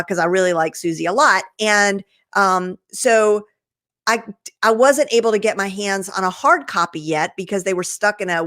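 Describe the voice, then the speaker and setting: A woman's voice: mid-range voice, a bit bright. Female online host, mid-range voice, informal and enthusiastic, loosely talking through a recap as if chatting with viewers. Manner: conversational, rambling, enthusiastic. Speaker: host of an online marketing show. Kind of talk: casual chat recap to a live online audience.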